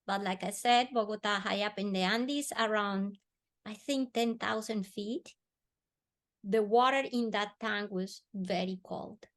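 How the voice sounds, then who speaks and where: A woman, a guest on an interview show, telling a personal story earnestly and slowing down softly on emotional moments. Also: mid-range voice. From Colombia. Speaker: podcast guest.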